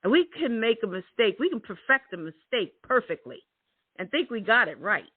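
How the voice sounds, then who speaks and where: A woman's voice: on the high side, very animated, normal speed, husky, no echo. A middle-aged woman hosting a motivational talk, emphatic and repeating her key words. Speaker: host. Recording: thin phone-like sound.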